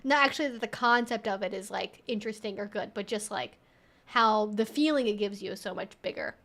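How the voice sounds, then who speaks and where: A woman's voice: mid-range voice, brisk, fairly bright tone. A woman hosting a casual livestream Q&A, talking conversationally and emphatically as she thinks aloud. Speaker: livestream host. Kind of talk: casual Q&A livestream chat, reading viewer comments.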